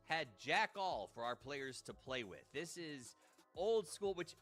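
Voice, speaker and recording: A man's voice: on the high side, very animated, a little slow, a bit bright, soft background music. A man casting a live esports tournament, upbeat and passing questions to his co-casters.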